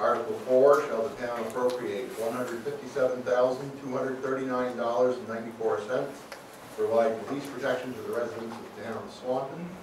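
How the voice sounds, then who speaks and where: A man at a fairly quick pace, fairly even intonation, audible room echo and noticeable background noise. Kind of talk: formal reading of meeting articles. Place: meeting room.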